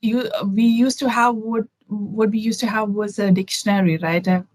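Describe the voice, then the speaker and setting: A guest from Kerala with an Indian accent talks over a video call in a casual, thoughtful manner, frequently using fillers and restarting her sentences. She speaks at a normal speed with a medium pitch, a steady and darkish tone. The recording is dry and low in quality.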